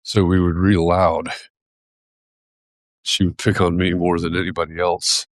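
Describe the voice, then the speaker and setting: A man's voice: sits low, level tone, normal speed, no echo. An American man hosting a live video, talking in a reflective, casual way and searching for his words as he goes. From United States.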